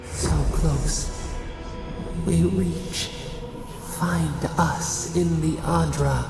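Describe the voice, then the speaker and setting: An ancient deity in a fantasy game, solemn and full of cryptic longing. The voice is heavily creaky and extremely slow, ringing through a long cavernous reverb. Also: mid-range voice, fairly even intonation, exaggerated voice. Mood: solemn yearning. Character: ancient otherworldly god voice, solemn, yearning, cryptic. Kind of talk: video game voice acting. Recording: long echoing reverb over music.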